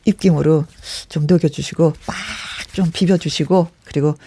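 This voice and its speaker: A woman's voice: low-pitched, steady tone, moderate pace, mellow, slightly rough, no echo. A woman hosting a radio show, talking in a chatty, conversational way and reading out listener messages. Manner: chatty, conversational, often breaks into giggles. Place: radio studio. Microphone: close studio microphone.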